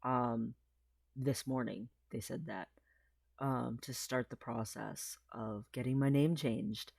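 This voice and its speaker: A trans man vlogger rambles through a casual video diary, chatty and full of fillers, laughing often, his voice sometimes cracking. He speaks slowly with a mid-range, darkish voice, fairly even intonation and vocal fry. The recording is dry.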